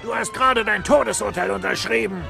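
A scheming flying-dinosaur father from an animated film, sneering and threatening. The voice sits very high with a gravelly edge. Music plays behind him. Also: a little fast. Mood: menacing. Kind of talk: dubbed animated film dialogue.

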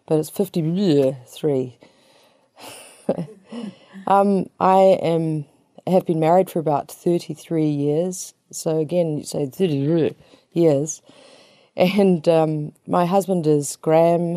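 With a low, dark voice and no echo, a New Zealand psychotherapist in her fifties introduces herself as a guest in a small studio. The introduction is relaxed, chatty and gently self-mocking.

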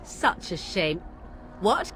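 A woman's voice: lowish voice, very animated, drawn-out words, fairly bright tone, soft background music, exaggerated voice, poor audio. An actress playing a sarcastic young witch in a fantasy game, with an arch, formal and haughty delivery. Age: young adult.

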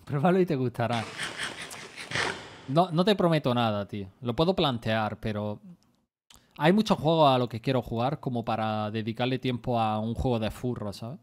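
A man from Spain with a Spain Spanish accent, chatting casually with viewers while he plays, rambling, swearing freely and breaking into excited outbursts. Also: mid-range voice, normal speed. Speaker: gaming streamer. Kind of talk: casual gameplay chat with viewers.

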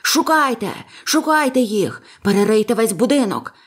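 A woman's voice: medium pitch, moderate pace, natural voice. A woman doing a furious blind old pirate beggar. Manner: barking harsh commands.

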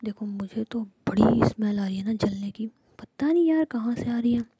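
A woman's voice: on the high side, lively intonation, normal speed, warm tone, dry recording, lo-fi sound. A woman voicing a playful, cocky young woman who teases, in a whispered role-play. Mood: teasing. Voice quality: breathy whisper. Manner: playful, teasing.

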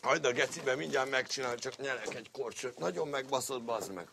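A man's voice: medium pitch, creaky. A man working as an electrician, grumbling and cursing nonstop while he works. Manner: crude nonstop swearing, grumbling. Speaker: electrician at work. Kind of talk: amateur workplace banter. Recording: noisy amateur video recording.

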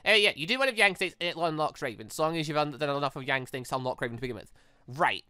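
A man giving casual, animated game commentary as he thinks aloud in a rambling, expressive way. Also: on the high side, rapid-fire, clean tone, no room sound. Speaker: gaming channel host. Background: background music.

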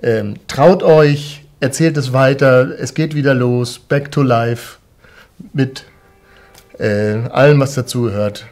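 A man's voice: mid-range voice, takes it slowly, darkish tone. A man in his forties, a band musician, speaking to fans from a backstage room in an enthusiastic, emotional way, struggling for words. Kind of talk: casual address to fans.

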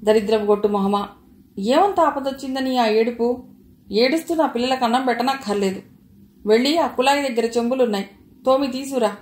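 A woman voicing a domineering older mother-in-law who scolds and shouts at her daughter-in-law in an audio story. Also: a little high, fairly even intonation, normal speed, echoey room, close to an everyday voice. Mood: scornful, angry.

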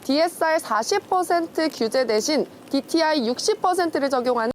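A woman's voice: sits high, expressive, a little fast, a little hiss or hum. A woman explaining matters in a report-like way. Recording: echoey public space with loud crowd.

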